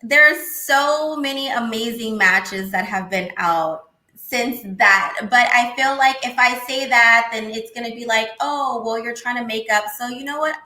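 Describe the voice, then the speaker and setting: A woman in her thirties with a high-pitched voice, talking in a casual, outspoken way as a guest on a video call interview. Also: measured pace. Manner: animated, outspoken, swears casually. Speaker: interview guest, former wrestler. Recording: echoey room.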